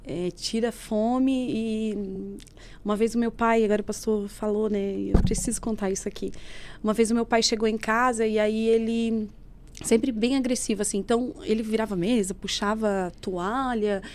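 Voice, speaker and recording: A woman telling an emotional personal faith testimony as a podcast guest. She tells it as a lively story, acting out what people said. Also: a little high, normal speed. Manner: lively storyteller who acts out quoted speech. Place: podcast studio.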